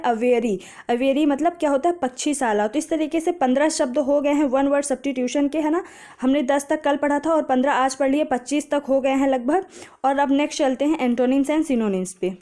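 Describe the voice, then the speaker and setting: High-voiced woman teaching vocabulary. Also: darkish tone. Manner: explains patiently with memory tricks, asks and answers own questions; reads English phrases slowly. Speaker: exam prep teacher. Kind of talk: vocabulary lesson.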